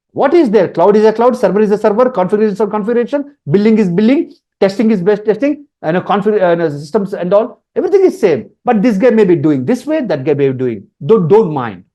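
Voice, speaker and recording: This Indian instructor has a Telugu accent and speaks Telugu natively; his voice sits high with a dark tone, and the highs are cut off. Leading a casual webinar, he hammers points home through repetition and often checks in with "okay" or "right."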